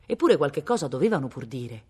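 A woman reading a novel aloud in a measured, steady way, recorded at a public library. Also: a bass voice, slightly rough. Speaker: reader.

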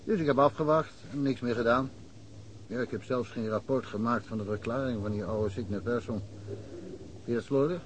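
An actor playing a chatty rural police chief in a radio play, rambling through anecdotes. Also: male voice, mid-range voice, moderate pace, close to an everyday voice, poor audio. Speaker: village policeman. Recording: old radio play with faint hiss.

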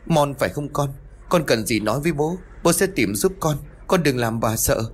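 A man's voice: mid-range voice, expressive, moderate pace, slightly rough. A man voicing a frightened grown son who tries to soothe his mother in an anxious, urgent way. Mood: anxious soothing.

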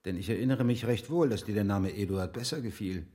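An actor playing a practical, courteous military captain in a literary radio drama, husky and precise in his speech. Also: on the low side, brisk, dark tone. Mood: dryly teasing.

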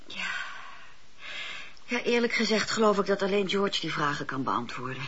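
An actress playing a sensible, doubtful woman in a Dutch radio drama, with a husky voice. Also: medium pitch, sing-song, moderate pace, a bit bright. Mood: resigned. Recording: dull lo-fi radio play recording.

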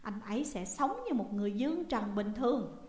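A woman's voice: medium pitch, lively intonation, fairly quick, darkish tone, natural voice. A woman putting on a defiant lovestruck young woman. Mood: resolute. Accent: Southern Vietnamese. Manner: blunt, defiant. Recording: echoey room with long reverb.

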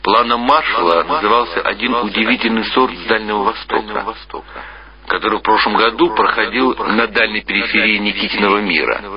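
A man's voice: on the low side, brisk, a crowd in the background. A man giving scripted narration for an audiobook story. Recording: dull radio-like sound over loud music.

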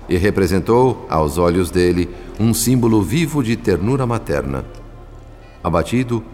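Deep-voiced Brazilian man narrating in long reverb. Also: a little mellow. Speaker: narrator of a radio drama. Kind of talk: scripted dramatic narration, literary radio soap. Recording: long reverb, music behind. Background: background music.

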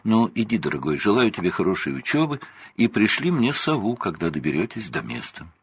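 A man's voice: fairly low pitch, big pitch swings, a little fast, husky, pitched above the performer's own voice, exaggerated voice. A man voicing a proud, strict mother who scolds and fusses over her children. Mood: stern.

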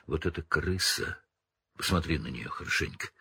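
A man voicing a hoarse, haunted escaped male prisoner in a storybook reading. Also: very deep voice, lively intonation, normal speed, bright, forceful tone, dry recording, studio quality, pitched below the performer's own voice, heavily acted. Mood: hoarse pleading.

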